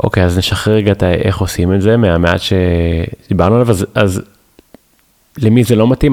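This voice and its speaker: A plain, everyday voice from a man, fairly low-pitched, with ordinary pitch variation. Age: 30s. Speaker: podcast host. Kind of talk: casual chat.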